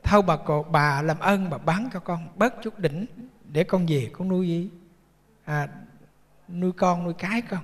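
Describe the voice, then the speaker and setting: A man voicing a poor woman who softly pleads for a lower price, in a reverberant hall. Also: animated, brisk. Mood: pleading. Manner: pleading, soft.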